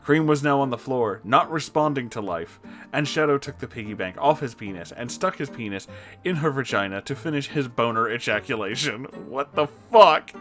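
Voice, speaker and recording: A man's voice: mid-range voice, expressive, moderate pace, fairly bright tone, soft background music. A man hosting a comedic reading of fan fiction, breaking off into incredulous, amused asides. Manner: breaks into laughter, exclaims in disbelief.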